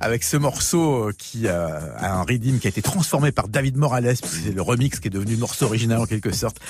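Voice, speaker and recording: A man speaks at a fairly quick pace at medium pitch, with lively intonation and hardly any pauses. Music plays in the background. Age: 50s. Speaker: radio host. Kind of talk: radio interview.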